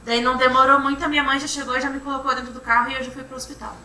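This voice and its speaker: A young woman giving courtroom testimony, retelling events in a halting, repetitive way. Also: high-pitched, level tone, sharp tone. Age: young adult. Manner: halting, repetitive retelling, often restarting with "then". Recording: roomy courtroom from far off, faint hum.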